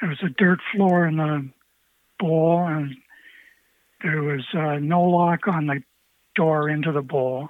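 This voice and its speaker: With a Canadian accent, a man speaks very slowly at a fairly high pitch, using fairly even intonation and long, frequent pauses. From Ontario, Canada (St. Catharines). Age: 70s. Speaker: retired sports journalist. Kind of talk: interview.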